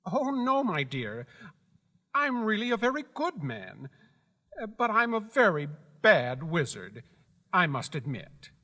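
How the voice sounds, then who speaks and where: A man's voice: high voice, huge pitch swings, takes it slowly, sharp tone, big-room sound, voice pushed up, heavily acted. A man voicing a meek little old humbug wizard with a trembling voice, hesitant and apologetic.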